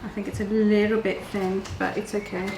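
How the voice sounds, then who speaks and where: Fast-talking woman cook in a roomy kitchen. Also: mid-range voice, little pitch movement, background noise. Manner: practical, explains steps plainly. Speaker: guest cook. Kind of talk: casual cooking demonstration. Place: home kitchen, indoors. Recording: roomy kitchen with faint ambience.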